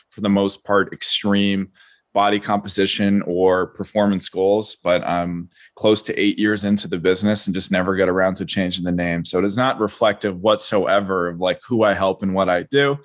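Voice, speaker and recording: A young man in his twenties with a lowish voice, recorded dry and close with almost no room sound. He speaks in a measured, articulate way, slipping in deadpan jokes, and sounds a little tired. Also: no room sound. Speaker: guest, online nutrition coach. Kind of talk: casual interview chat.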